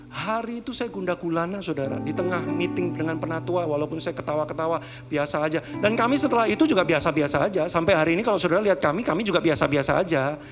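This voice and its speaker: Man, casual sermon, pleading then hushed, slightly high-pitched, music bed. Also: expressive, fast. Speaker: pastor. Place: church service.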